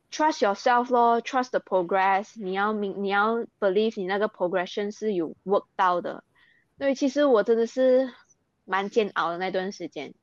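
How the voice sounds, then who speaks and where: A woman's voice: mid-range voice, dry recording, muffled recording. A young Malaysian woman speaking Mandarin with a Malaysian accent, earnestly recounting things in an interview and mixing in English words. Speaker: interview guest, athlete. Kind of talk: candid interview.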